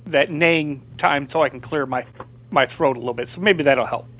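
Hoarse man hosting over a tinny line. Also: medium pitch, brisk. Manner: chatty, rambling with restarts. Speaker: podcast host. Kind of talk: casual talk show hosting.

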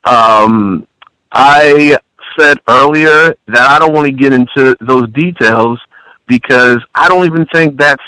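A man's voice: medium pitch, slow, pushed and bright, clean tone, dry recording, low-quality recording. A man born in France, a guest on a call-in radio show, defending himself and restarting his words often.

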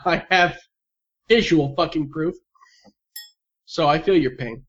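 A man playing in a tabletop game, joking and swearing in animated casual chat. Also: a little high, slow pace, highs cut off. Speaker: player.

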